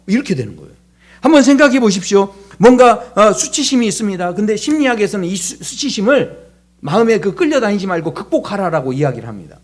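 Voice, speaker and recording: A man's voice: sits high, slightly rough. A middle-aged male pastor preaching a Sunday sermon in a church, posing questions to the congregation and answering them himself. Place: church sanctuary.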